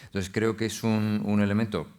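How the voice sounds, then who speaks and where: A man's voice: fairly low pitch, level tone, brisk, a little mellow, clear, resonant tone. A man speaking on a discussion panel, carefully hedging his points and repeating himself. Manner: cautious, repeats qualifiers.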